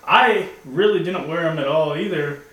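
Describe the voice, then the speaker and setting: A man's voice: fairly high pitch, a bit bright, recorded from a distance. A man telling stories in a loose, laughing way, swearing freely as a podcast co-host. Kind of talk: casual storytelling chat. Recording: echoey room, off-mic, faint noise.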